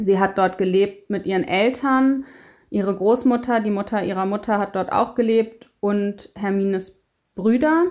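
With a plain, everyday voice, a woman speaks at a fairly slow pace in a medium pitch with ordinary pitch variation, in a very clean recording with a silent background. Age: 30s. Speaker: nonprofit fundraiser and storyteller. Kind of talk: storytelling narration. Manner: casual, with filler words.

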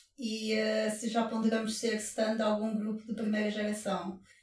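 A woman speaks in a European Portuguese accent. Her voice is fairly high and her pace fairly slow. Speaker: podcast co-host. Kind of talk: casual chat.

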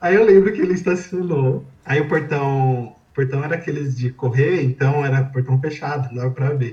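A man speaks at a moderate pace with hardly any pauses, his pitch fairly high and ordinary in variation. His tone is dark and mellow, somewhat breathy. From Paulínia, São Paulo state interior, Brazil. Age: 20s. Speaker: architect. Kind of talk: casual chat. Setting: remote online call.

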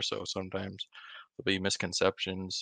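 Speaking at a moderate pace against a quiet background, a man with a Canadian accent has a fairly low pitch, a bright, sharp tone and a dry, close sound with no echo. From British Columbia, Canada. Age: 30s. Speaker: chemical engineer, panel guest. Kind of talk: casual panel discussion.

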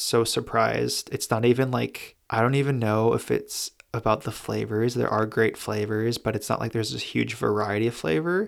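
In a very clean recording with a silent background, a quiet man with an American accent talks at a moderate pace with hardly any pauses. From United States. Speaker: travel podcaster. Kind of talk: solo monologue. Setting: shared house at night.

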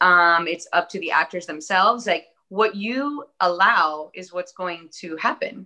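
With a Spanish accent, a woman talks at a fairly slow pace in a medium-pitched, bright and sharp voice with ordinary pitch variation. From Atlanta, Georgia, US, Cuban-Salvadoran family. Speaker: Broadway and television actress. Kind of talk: casual interview chat.

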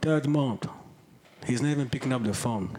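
With noticeable background noise behind him, a man's pitch varies in an ordinary way. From Cameroon (Douala). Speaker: solar company owner. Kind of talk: casual chat.

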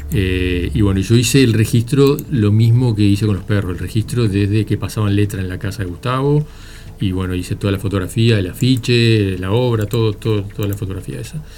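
A man with a Uruguayan accent at a fairly low pitch, fairly quick pace and ordinary pitch variation, against noticeable background noise. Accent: Rioplatense Uruguayan Spanish. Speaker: photographer. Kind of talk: casual chat.

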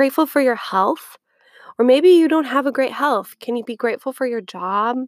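A woman speaks in an upbeat tone with a high pitch. Her pitch varies in an ordinary way. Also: moderate pace. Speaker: podcast host. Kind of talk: motivational monologue. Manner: casual and upbeat.

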